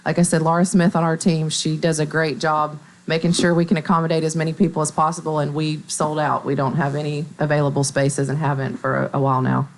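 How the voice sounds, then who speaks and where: A woman in her thirties from Middle Tennessee, a bank marketing staffer talking on local radio in a measured, upbeat way with fillers. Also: low voice, flat delivery. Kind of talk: radio interview.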